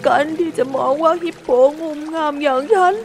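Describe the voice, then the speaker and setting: A woman voicing Suzy, a shy, gentle young female hippo who speaks politely and apologizes often, for a children's storybook. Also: extremely high pitch, expressive, normal speed, background noise, pitched above the performer's own voice. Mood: sad. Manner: polite, soft-spoken, apologetic. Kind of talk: storybook role-play.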